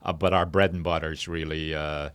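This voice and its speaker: A man speaking as a company founder and interview guest in a studio, explaining in a halting way as he pieces his thoughts together. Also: a bass voice, little pitch movement, a bit bright, clear, resonant tone. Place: podcast studio.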